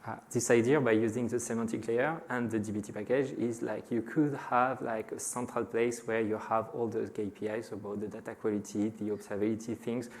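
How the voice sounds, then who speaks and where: A man's voice: lowish voice, flat delivery, brisk, hardly any pauses, a little mellow. French-accented man giving a conference talk. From France. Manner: frequent hesitations with many "uh" fillers; addresses a live audience. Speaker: conference speaker.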